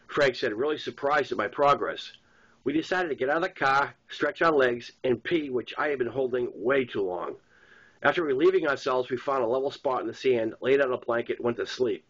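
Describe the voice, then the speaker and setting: A man with a Boston accent reads a first-person novel aloud as its author, in a plain narrating style with occasional stumbles. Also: mid-range voice. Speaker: author reading own novel. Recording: dull lo-fi sound.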